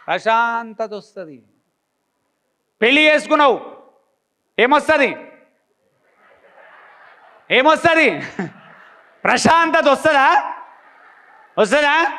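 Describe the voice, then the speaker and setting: A man's voice: extremely high pitch, pushed and bright, smooth. A man giving a blunt motivational talk, full of repeated rhetorical questions. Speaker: motivational speaker.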